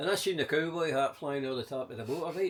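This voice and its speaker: A man speaks with a Glasgow accent. There is noticeable background noise. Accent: broad Glasgow Scottish. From Scotland, Glasgow east end. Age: 70s. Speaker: former gang member. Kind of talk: casual storytelling interview. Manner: animated.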